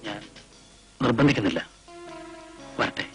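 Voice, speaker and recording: A man's voice: on the low side, lively intonation, measured pace, faint music behind. An actor playing a nervous, evasive father in a film drama. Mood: uneasy.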